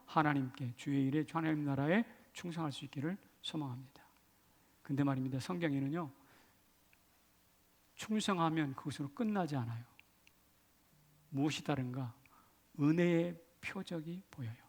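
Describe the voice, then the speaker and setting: A male senior pastor preaching a Sunday sermon in a church. He moves between hushed asides and shouted emphasis and acts out quoted voices. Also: on the high side, normal speed, long pauses. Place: church sanctuary.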